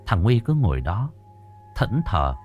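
A man narrating a ghost story in a dramatic, expressive way. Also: fairly low pitch, unhurried, lo-fi sound, soft background music.

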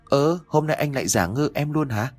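A man's voice: mid-range voice, animated, moderate pace, a little mellow, no echo, faint music behind, voice pushed up, lightly acted. A man doing a coaxing young schoolgirl. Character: cheerful young female student, teasing.

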